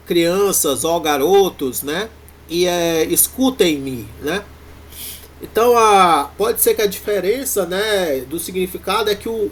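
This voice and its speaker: A man with a Brazilian Portuguese accent, teaching a university Greek class in a halting way, full of fillers and restarts. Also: high-pitched. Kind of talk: classroom lecture.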